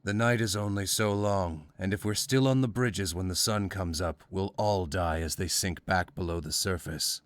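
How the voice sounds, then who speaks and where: An actor playing a grim, stoic guide in a visual novel, speaking in a flat, dispassionate way. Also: male voice, sits low, moderate pace, few pauses, no room sound, clean studio sound, lightly acted. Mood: stoic, grave. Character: grim, stoic young male ferry guide, emotionless and dispassionate.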